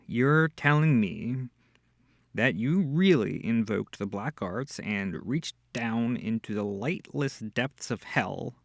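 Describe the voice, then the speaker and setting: A man plays a smug male incubus demon, seductive and theatrical, in an ASMR audio roleplay. His voice is gravelly and unhurried, teasing the listener from very close in a dry, echoless space. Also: mid-range voice, animated. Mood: incredulous. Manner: theatrical, teasing, purring, breathy asides.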